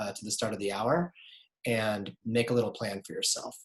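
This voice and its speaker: A man speaks in a somewhat breathy voice. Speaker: life coach. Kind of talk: live online workshop; guided meditation. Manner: fast.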